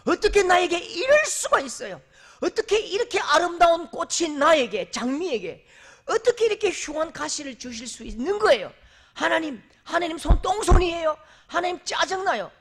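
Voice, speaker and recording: Male pastor doing a high, loud, whining rose in a sermon tale, petulant and put-upon. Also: big pitch swings, moderate pace, exaggerated voice. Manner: shrill, petulant wailing. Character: whiny, indignant rose complaining to God.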